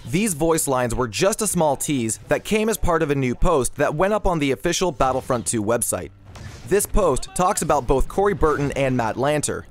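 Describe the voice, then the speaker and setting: A man presenting scripted video game news commentary as the host of an online channel. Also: medium pitch.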